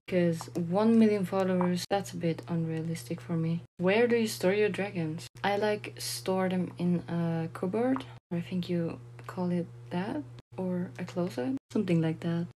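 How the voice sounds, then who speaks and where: A young woman from Austria, a German speaker, calmly answering viewer comments about her paper dragon puppets in plain, slightly halting English. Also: fairly low pitch, slight background noise.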